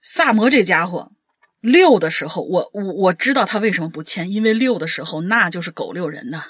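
A woman from Shanxi in a casual chat, chatty and quick to agree and chime in. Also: lowish voice, lively intonation, fairly bright tone, slightly rough, no echo, clean studio sound. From Shanxi, China.

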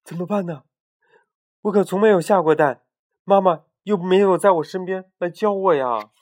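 A man voicing a young, frightened but eager little white hen in a bedtime storybook reading, with high excited cries. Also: slow pace, close to an everyday voice. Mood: pleading, anxious.

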